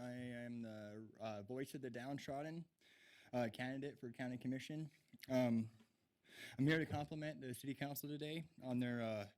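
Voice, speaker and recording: A candidate for local office steps up to the council podium and speaks in a plain, mid-pitched voice. He hesitates often and fills gaps with stalling sounds. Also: darkish tone. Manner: halting, many filler words. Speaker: county commission candidate, public commenter. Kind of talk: brief public comment. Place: city council chamber.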